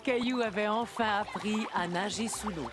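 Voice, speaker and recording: A woman's voice: mid-range voice, normal speed, lightly acted. A woman voicing a kindly storybook narrator in scripted narration for a children's cartoon. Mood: kindly, storytelling. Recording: loud music bed behind the voice.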